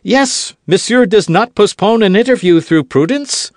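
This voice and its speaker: A man's voice: sits high, lively intonation, measured pace, no room sound, studio quality, voice pushed up. A man doing D'Artagnan, a fiery young Gascon. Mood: defiant. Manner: eager, challenging, raised voice. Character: young hot-tempered Gascon swordsman, proud and quick to quarrel. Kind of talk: audiobook character voice.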